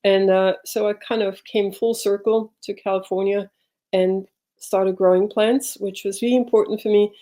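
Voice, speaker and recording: Mellow middle-aged woman reflecting. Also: medium pitch, steady tone. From Switzerland. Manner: reflective, halting, searching for words. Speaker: podcast guest. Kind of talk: personal storytelling in an interview.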